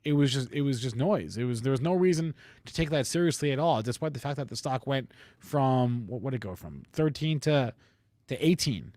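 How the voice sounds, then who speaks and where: A man commentating on a live market show, reasoning aloud in casual debate and often repeating words haltingly. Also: medium pitch, expressive, a little mellow, dry recording.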